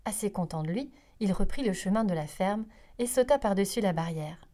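A woman reading a children's picture book aloud, telling it in an expressive, lively way. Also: mid-range voice, brisk. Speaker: storyteller. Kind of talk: children's story read-aloud.

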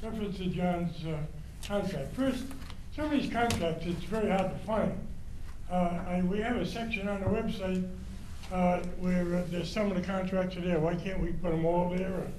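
An older man speaking as a citizen at a public comment microphone in a large council chamber, friendly and halting, with many restarts. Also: high voice, darkish tone. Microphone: standing microphone. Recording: roomy hall sound, faint hum.

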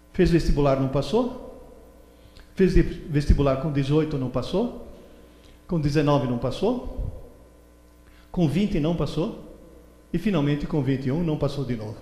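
A man in his seventies giving an animated lecture on a stage, telling stories with mimicked voices and indignant outbursts. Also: a little high. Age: 70s. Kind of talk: animated lecture to a seminar audience. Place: large hall with a stage. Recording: echoey hall recorded from far off.

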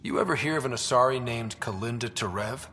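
A man playing a dry, teasing, steady young space adventurer in a video game, wry and deadpan. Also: medium pitch, brisk, a little hiss or hum, lightly acted. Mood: skeptical. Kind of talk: video game dialogue acting.

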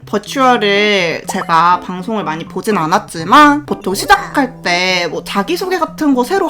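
A young woman chatting on a livestream in a cute anime streamer manner, playful, giggly and animated. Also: fairly high pitch. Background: music.

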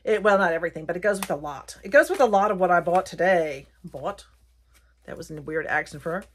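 A woman's voice: lowish voice, expressive, very fast. A middle-aged woman with a light Southern American accent, chatting casually and in a rambling, self-correcting way as she presents a haul video. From Virginia, United States. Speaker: haul and craft vlogger.

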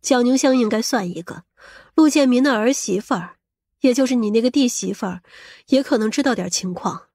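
A woman playing a high-voiced, brash scheming mother. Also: a little fast, a little mellow, no room sound, studio quality. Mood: conspiratorial. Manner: scolding, boastful, coarse-tongued. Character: brash, scheming, vain middle-aged mother of a grown son. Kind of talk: audiobook character acting.

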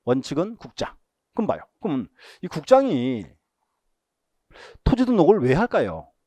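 Lively, mellow-voiced male lecturer. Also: on the high side, moderate pace, no room sound. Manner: asks and answers his own questions; repeats key terms, tells students what to mark. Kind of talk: exam-prep lecture.

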